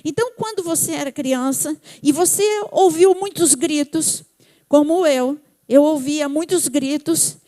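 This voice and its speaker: A woman's voice: high-pitched, unhurried, dark tone. A Brazilian woman giving a conversational church talk on emotions, often checking that listeners follow. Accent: Brazilian Portuguese. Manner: conversational, asks the audience if they follow. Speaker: church speaker.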